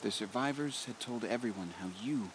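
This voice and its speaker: An actor playing a kindly tribal stitcher in a video game, speaking with an earnest, gentle and admiring sincerity. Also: male voice, mid-range voice, moderate pace, natural voice. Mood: relieved, admiring. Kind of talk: video game dramatic dialogue. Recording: clearly audible rain and hiss behind.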